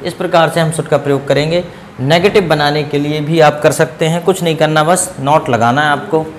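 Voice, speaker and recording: A man teaching English grammar in Hindi, saying example sentences slowly and often asking his students if they follow. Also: a little high, fairly even intonation, slight background noise, low-quality recording. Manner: asks students checking questions. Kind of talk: classroom grammar lesson.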